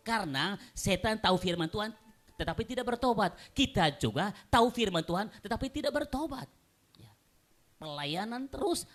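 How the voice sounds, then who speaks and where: A woman pastor preaching a sermon, emphatic and repetitive, swinging between soft and loud passages. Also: sits high. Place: church.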